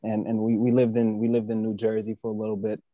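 A man from Senegal, a guest on a chat show, talking casually and haltingly, repeating his words and leaning on fillers. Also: lowish voice, completely flat delivery, no echo, phone-quality sound. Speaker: guest artist.

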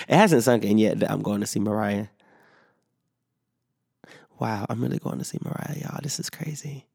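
A man's voice: medium pitch, vocal fry, darkish tone, no echo, clean studio sound. A man hosting his own podcast in a loose, rambling chat full of fillers and swearing, his voice not fully back after being sick. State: voice not fully recovered from illness. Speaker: podcast host. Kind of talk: casual solo podcast chat.

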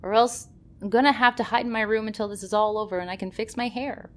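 Woman playing high-voiced, fretful cyberpunk runner. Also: steady tone, quick pace, close to an everyday voice. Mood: exasperated. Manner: dramatic, slangy. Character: fretful, stubborn young female shadowrunner with cyberpunk slang. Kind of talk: cyberpunk audio drama acting.

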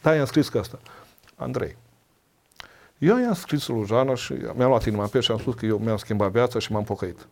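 A middle-aged man speaking at an ordinary pitch, telling his life story as a podcast guest. He is earnest and emotional. He brings old exchanges back to life by voicing the dialogue. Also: animated. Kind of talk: personal testimony in casual conversation.

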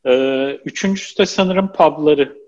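A man recalling memories in a casual group chat, his voice trailing off softly. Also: fairly high pitch, unhurried, muffled recording. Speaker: guest.

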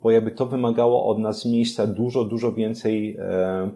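A young man, a podcast guest, explaining learning methods step by step, pausing on fillers and restarting his phrases. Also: on the low side, little pitch movement, mellow.

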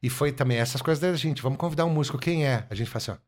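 Animated gaucho man telling stories. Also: mid-range voice, very fast. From southern Brazil. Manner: animated storyteller, laughs often, fillers like "cara" and "bah". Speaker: guest musician. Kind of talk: casual podcast chat.

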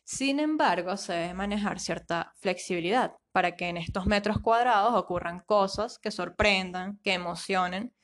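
A woman's voice: mid-range voice, moderate pace, few pauses, a bit bright. Colombian woman co-hosting a podcast. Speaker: podcast co-host. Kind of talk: casual podcast chat, partly reading her essay.

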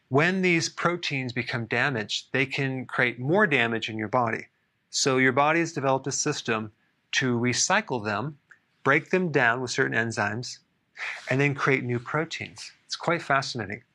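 Bright-voiced man explaining health topics. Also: mid-range voice. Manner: casual, explanatory, dry sarcastic asides. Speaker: health podcast host. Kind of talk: solo explainer talk.

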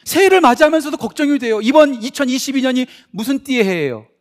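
A man pastor preaching a sermon, animated, moving between loud emphatic lines and soft confiding asides, often asking the congregation questions. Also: very high voice, fast talker. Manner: conversational, asks the congregation questions.

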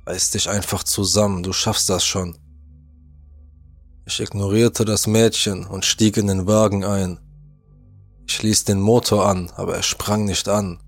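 A man narrates a first-person horror tale in a low, gravelly voice, slow and fairly flat, tense throughout. The recording is dry and close, with faint music playing underneath. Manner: tense, acts out shouted lines.

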